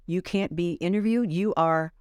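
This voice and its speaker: A woman's voice: on the low side, moderate pace, darkish tone, clear, resonant tone, no echo, studio quality. A woman guest explaining at length in casual chat, with asides and self-corrections. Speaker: guest, former grand juror.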